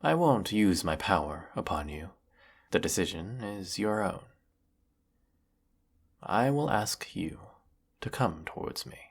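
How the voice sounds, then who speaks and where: A man playing a cruel yet lonely galactic emperor in a sci-fi audio drama, speaking in a husky, measured, theatrical and menacing way. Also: sing-song, heavily acted. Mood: soft, coaxing. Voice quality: gravelly, husky, low. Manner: measured, theatrical, menacing, formal villainous drawl. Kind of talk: scripted sci-fi audio roleplay monologue.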